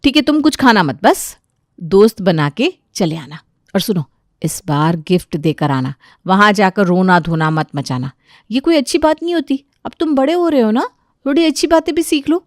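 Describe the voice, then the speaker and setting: Woman voicing coaxing mother, scolding, lively, storybook, close dry sound. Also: mid-range voice, normal speed, no echo, lightly acted.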